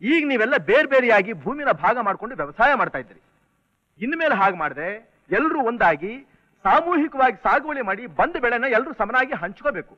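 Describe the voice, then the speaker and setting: Earnest idealistic young landlord. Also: male voice, extremely high pitch, fairly quick, exaggerated voice. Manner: earnest, calm. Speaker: lawyer. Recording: dull old film soundtrack.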